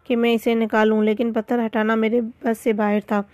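A woman's voice: on the high side, little pitch movement, a little mellow, no room sound, lightly acted. Woman reading as a boastful cheeky monkey. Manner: teasing, boastful.

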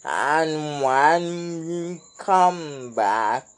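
An interview host asking questions in a halting way with many pauses. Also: medium pitch, animated. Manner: very slow, halting, drawn-out questions. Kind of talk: interview hosting.

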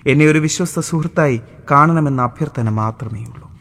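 A man voicing an earnest, courteous young American suitor in an audiobook, speaking gently and formally. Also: fairly high pitch, normal speed, creaky.

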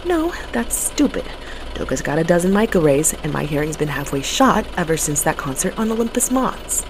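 An actress playing a wry, restless space mail courier in an audio drama, muttering and sardonic with a conversational delivery. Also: female voice, lowish voice, sing-song, moderate pace, noisy background. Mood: frustrated, coaxing. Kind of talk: audio drama acting with first-person narration.

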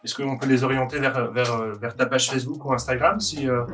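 A man hosting a Christian video talk, encouraging viewers with many halting restarts. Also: mid-range voice, fairly even intonation, a bit bright, faint music behind. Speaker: host of Christian video channel.

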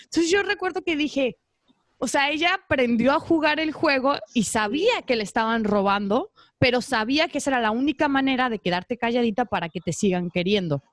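Speaking a little fast in a high voice, this former model is a podcast guest with a Mexican Spanish accent who tells animated stories in casual chat and acts out quoted voices. The studio sound is clean, with no echo.

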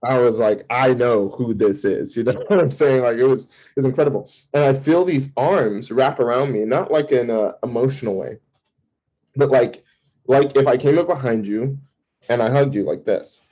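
A man who serves as a campus minister, a podcast guest who tells a personal testimony in animated storytelling bursts, with fillers and restarts. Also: medium pitch, normal speed, breathy edge, poor audio. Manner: animated storytelling, acting out his own past thoughts.

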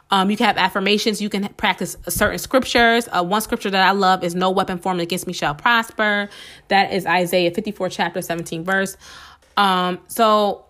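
A woman hosting a casual solo podcast, chatty and encouraging with many fillers, her voice slightly hoarse from a cold. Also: mid-range voice, fairly bright tone. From United States. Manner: chatty and encouraging, many "um"s, addresses listeners as "y'all". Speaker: podcast host.

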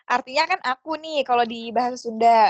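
Female podcast co-host from Java, high-pitched, acts out little dialogues while chatting. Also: brisk, no room sound, highs cut off. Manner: animated storyteller, acts out quoted dialogue. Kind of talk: casual chat.

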